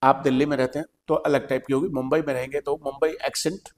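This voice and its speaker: A man's voice: mid-range voice, little pitch movement, fast, long reverb tail. A man with an Indian accent, an English teacher hosting a podcast, explaining patiently and repeating his key points.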